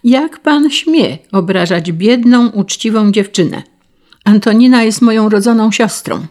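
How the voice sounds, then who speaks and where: A man's voice: high voice, drawn-out words, sharp tone, voice pushed up, heavily acted. A narrator voicing a proud young man who speaks in a strong, ringing voice. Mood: outraged. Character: proud slender young man defending his sister.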